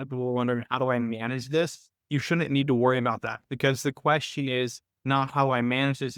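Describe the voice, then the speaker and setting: Guy explaining stuff on a live webinar, smooth clear voice, medium pitch, really dry sound. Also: a bit bright, no echo. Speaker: host of a live trading Q&A call. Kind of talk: informal financial coaching, live webinar commentary.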